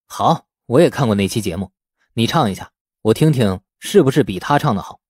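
A man voicing an encouraging, easygoing young man, lively intonation. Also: medium pitch, fairly quick, slightly rough, dry recording, studio quality. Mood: teasing.

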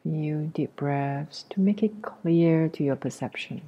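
A woman leading a guided meditation as a teacher, speaking gently with long pauses in a soft, breathy voice that nears a whisper. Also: sits low, dull audio. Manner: gentle, unhurried, long pauses between short phrases.

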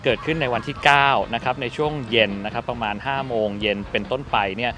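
A middle-aged man speaking as a company representative in an outdoor press interview, measured and full of hesitant fillers. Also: mid-range voice, bright, forceful tone, slight background noise. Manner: measured, many fillers and polite particles. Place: outdoor park at an event. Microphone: press microphones held close.

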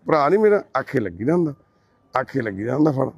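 Gently coaxing Punjabi man. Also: medium pitch, sing-song, fast talker, slightly rough, no echo, lo-fi sound. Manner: gentle, repetitive coaxing, calling the man brother. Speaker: volunteer at a care shelter. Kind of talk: coaxing talk and narration to camera.

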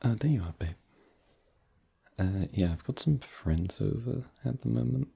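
A man's voice: mid-range voice, expressive, measured pace, gravelly, mellow, husky, voice pushed up, exaggerated voice. A young man voicing an easygoing boyfriend in an ASMR roleplay, hesitant and filler-heavy, turning teasing. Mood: relaxed. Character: easygoing young adult boyfriend hosting friends.

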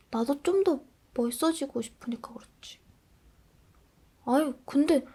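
High-voiced sulky girlfriend in role-play. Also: darkish tone. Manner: grumpy, sulky, pouting. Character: dieting girlfriend, low on self-esteem. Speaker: ASMR role-play creator playing a girlfriend.

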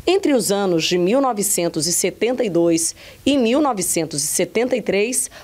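A young woman TV reporter, presenting a news feature in a bright, upbeat way. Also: medium pitch, expressive, normal speed.

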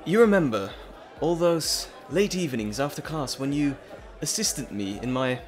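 A man's voice: fairly high pitch, lively intonation, moderate pace, a faint crowd, natural voice. A man playing an earnest, nervous scientist and professor in an audio drama, with hesitant, stammering, wordy and formal speech. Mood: confiding, earnest. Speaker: voice actor. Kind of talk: dramatic roleplay audio acting.

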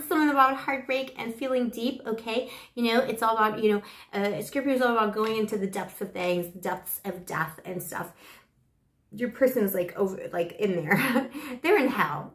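A woman with a flu-hoarse voice giving a playful, rambling tarot reading to camera on a lapel mic. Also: medium pitch, echoey room. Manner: gushing, playful, rambling with fillers. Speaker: tarot reader. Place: small bedroom with kitchenette. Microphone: clip-on lapel mic.

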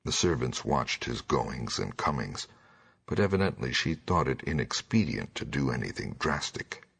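A male audiobook narrator with an exceptionally deep bass voice. It is thick with gravel and rasp, and he tells gothic horror in a measured, grave, scripted manner. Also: big pitch swings, a bit bright.

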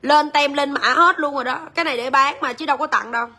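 A woman sells jewelry on a livestream, chatting directly to her viewers. Her voice is high, fast, pushed and bright.

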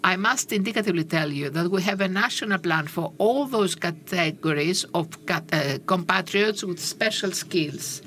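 A woman giving simultaneous interpretation of a panel discussion, with a halting, measured delivery and frequent pauses. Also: on the low side, fairly bright tone, slight background noise. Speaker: conference interpreter.

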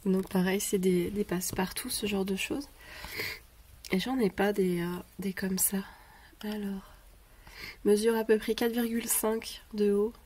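A woman with a cold chats through a home unboxing video, her voice stuffy and her speech hesitant and full of fillers. Clicks and crinkling wrapping paper are clearly audible on the recording. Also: medium pitch, fairly even intonation, warm tone, slight background noise. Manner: hesitant, many pauses and "euh" fillers. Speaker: craft vlogger. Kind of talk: casual unboxing chat. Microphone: camera over a tabletop, speaker off-frame.

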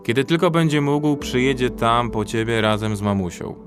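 An actor playing a protective, pragmatic young survivor in a horror audio drama, speaking practically and in control. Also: male voice, medium pitch, normal speed, lightly acted. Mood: gentle, reassuring. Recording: music under the voice.

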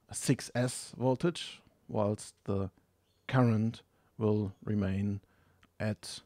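A man with a fairly low voice presents a practical how-to. He speaks slowly and methodically, explaining each step in a matter-of-fact way. The sound is dry, with little room in it. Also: warm tone, dry recording. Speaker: tutorial presenter. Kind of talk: hands-on instructional narration.

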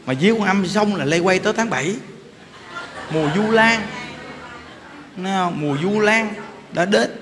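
A Buddhist monk, telling stories in a casual, animated sermon that speaks straight to his listeners. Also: high-pitched, moderate pace, pauses often. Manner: animated, laughing, addresses listeners directly. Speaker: Buddhist monk giving a dharma talk. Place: temple hall. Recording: reverberant hall, faint background noise.

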